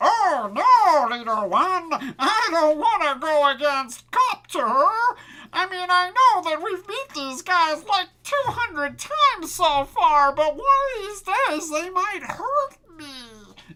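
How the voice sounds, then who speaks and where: A put-on character voice, squeaky and whiny with a whiny tone, sits at an extremely high pitch with very wide pitch swings. It goes at a very slow pace with hardly any pauses. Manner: cowering, whiny.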